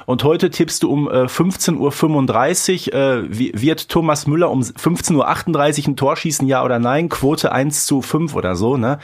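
A man's voice: fairly high pitch, normal speed, few pauses, slightly rough. A man co-hosting a podcast in casual chat, rambling and colloquial, often seeking agreement. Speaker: podcast co-host. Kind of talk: casual chat about audio drama episodes.

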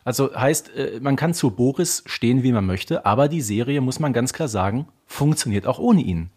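A man's voice: medium pitch, animated, moderate pace, darkish tone, breathy edge. A man co-hosting a podcast, talking in an emphatic, colloquial and opinionated way. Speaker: podcast co-host. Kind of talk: casual, opinionated podcast chat.

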